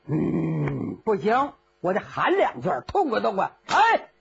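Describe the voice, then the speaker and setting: A woman's voice: mid-range voice, huge pitch swings, takes it slowly, creaky, dull audio, slight background noise, pitched below the performer's own voice, exaggerated voice. A woman voicing a boastful, blustering old male general, bragging in comic bluster.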